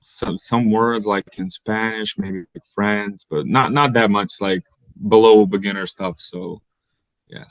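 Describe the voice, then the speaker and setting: A young man from Bosnia, Bosnian native, speaking English as a college basketball player in an interview, halting and repeating words as he searches for them. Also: fairly low pitch, dry recording, rough recording. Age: young adult. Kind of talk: interview answers.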